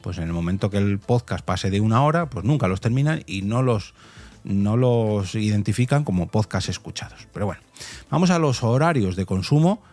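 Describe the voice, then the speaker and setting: Survey results get chatty commentary from a podcast host from Spain with a Spanish accent. His fairly low voice is animated and a little mellow, moving at a moderate pace, and he addresses the audience with rhetorical questions.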